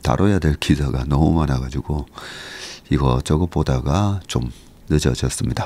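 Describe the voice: Doing a put-on character voice, a man sounds hoarse and husky at a very deep, low pitch. He moves at a moderate pace with ordinary pitch variation and long, frequent pauses.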